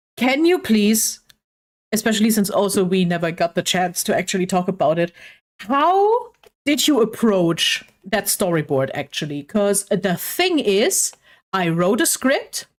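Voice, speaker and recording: In a German accent, the speaker goes at a fairly slow pace with very wide pitch swings. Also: woman. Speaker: vtuber streamer. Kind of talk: casual chat.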